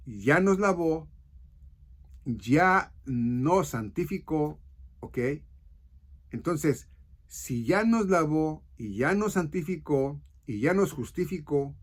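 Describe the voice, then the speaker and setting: A man teaching the Bible in a video, often checking in with his listeners and restarting his phrases. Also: medium pitch. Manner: checks in with frequent "ok?" and "right?"; halting, restarts mid-phrase.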